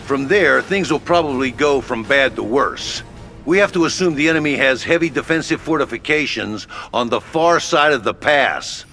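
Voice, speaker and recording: A man's voice: medium pitch, animated, moderate pace. An actor playing a wisecracking male headquarters officer who gives orders in a laid-back, casual way over music. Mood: wry. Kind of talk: game cutscene voice acting. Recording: game audio with loud music behind.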